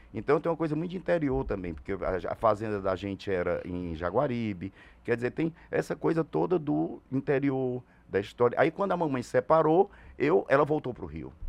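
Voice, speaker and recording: A man's medium-pitched voice at a moderate pace, with very wide pitch swings over a quiet background. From Ceará, Brazil (Russas). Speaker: comedian. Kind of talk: casual interview.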